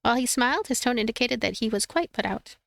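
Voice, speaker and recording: Higher-voiced woman narrating a game. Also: expressive, fast talker, creaky, a bit bright, dry recording. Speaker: let's play host and narrator. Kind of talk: narrated visual novel reading.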